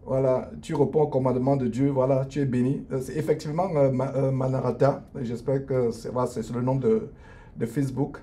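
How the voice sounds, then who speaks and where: A middle-aged man, a lawyer and online minister, speaking on an improvised live stream from his office, hesitant with many drawn-out fillers and restarts, and earnest in a preachy way. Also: mid-range voice, little pitch movement, dark tone. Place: his law office at lunch break.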